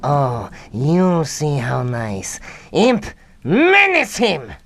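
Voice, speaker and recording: A woman's voice: sits low, sing-song, extremely slow, exaggerated voice. An actress playing a grandiose, haughty female mad scientist in a comic radio drama, theatrical, sneering and menacing. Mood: menacing, smug.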